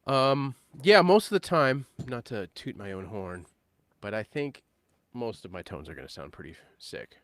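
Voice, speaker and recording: A man in his late thirties hosting a casual live-stream chat about guitar tones, easygoing and quick to laugh. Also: fairly low pitch, big pitch swings, a bit bright, dry recording, studio quality. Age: 30s. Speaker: host.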